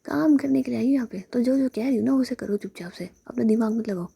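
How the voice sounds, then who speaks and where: A woman puts on a bossy young boss lady who keeps begging, whispered role-play, dark breathy gravelly whisper. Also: medium pitch, normal speed. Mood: angry.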